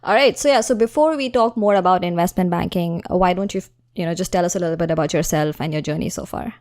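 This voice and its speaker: A woman's voice: fairly low pitch, quick pace, darkish tone. A woman hosting a podcast interview, asking questions and encouraging her guest with frequent "I see" and "hmm.".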